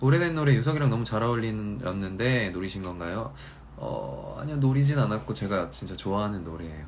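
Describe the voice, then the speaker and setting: A man speaks in a fairly low pitch with very wide pitch swings and big swings in loudness. Noticeable background noise and audible room echo are present. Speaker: musical theatre actor. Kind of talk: casual livestream chat reading viewer comments. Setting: Instagram live stream.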